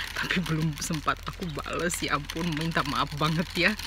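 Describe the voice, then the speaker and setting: A woman's very deep, low voice at a fairly slow pace amid noticeable background noise. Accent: Sundanese. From Indonesia, South Sumatra (Pagar Alam), later Bandung. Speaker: vlogger. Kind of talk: casual vlog.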